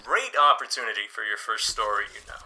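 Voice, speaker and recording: Actor playing a bright-voiced small-town editor man. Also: fairly low pitch, big pitch swings, fast, heavily acted, low-quality recording. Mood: friendly, explanatory. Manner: chatty, explanatory, encouraging. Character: helpful small-town weekly newspaper editor, a man, easygoing boss. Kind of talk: audio drama dialogue, conversational.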